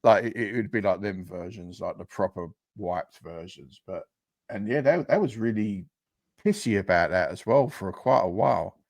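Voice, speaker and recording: A man's voice: lowish voice, lively intonation, normal speed, gravelly, dry recording. A British man chatting casually on a podcast, rambling with lots of likes and restarts as he tells a story. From United Kingdom. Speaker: podcast host. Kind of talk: casual chat. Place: home setup on a livestream.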